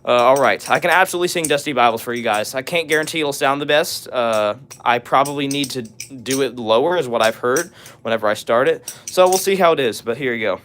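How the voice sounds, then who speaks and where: A raspy young man hosting a live stream, reading viewer messages aloud and answering them in casual talk with lots of "all right" and "uh". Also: medium pitch, brisk, a bit bright, a little hiss or hum. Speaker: livestream host.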